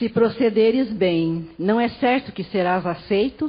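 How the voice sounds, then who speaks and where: A woman speaks at a very slow pace, somewhat breathy. Her pitch varies in an ordinary way. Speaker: scripture reader in church service. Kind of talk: reading aloud.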